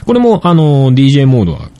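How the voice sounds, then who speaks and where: A man's voice: medium pitch, wildly swooping pitch, rapid-fire. A man hosting a casual chat, rambling with many fillers and laughs. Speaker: podcast host reviewing apps. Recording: loud music playing behind.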